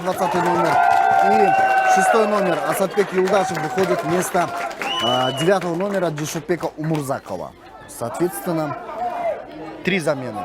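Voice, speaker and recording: A man calls a football match live from an outdoor stadium. His delivery swings widely in pitch as he follows the play. A loud crowd and heavy noise surround him. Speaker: football commentator.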